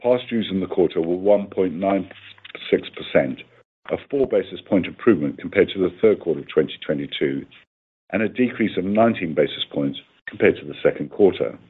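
A man with a very low, husky voice delivers a scripted financial report. He reads formally and evenly paced, like a company executive. The sound is narrow and phone-like, as on a conference line. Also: animated. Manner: formal, measured reading of figures. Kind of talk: scripted earnings call presentation.

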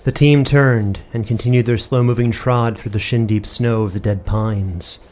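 A man's voice: medium pitch, steady tone, moderate pace, a little mellow, slight background noise. A man working as game master, reading dramatic scripted fantasy-horror narration. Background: music.

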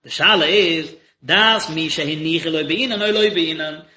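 A man's voice: on the high side, moderate pace, bright, forceful tone. A man, a rabbi, teaching a daily religious text lesson and explaining it phrase by phrase in short bursts. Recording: echoey, dull lo-fi recording.

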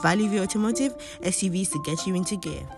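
Female voice-over artist, slightly low pitch, scripted promo read, distant mic, clear music bed. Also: quick pace.

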